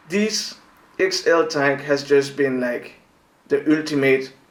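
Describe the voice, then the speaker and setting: Speaking very slowly with a French accent, a man keeps a fairly high pitch and fairly even intonation. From France. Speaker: vape vlogger. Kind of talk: product review vlog. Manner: halting, many fillers.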